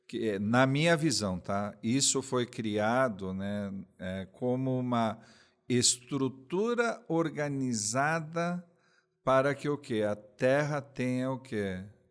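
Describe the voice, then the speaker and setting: On a very clean recording with a silent background, a man speaks at a very slow pace with ordinary pitch variation. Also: medium pitch for a man. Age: 60s. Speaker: data governance executive. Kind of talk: podcast interview.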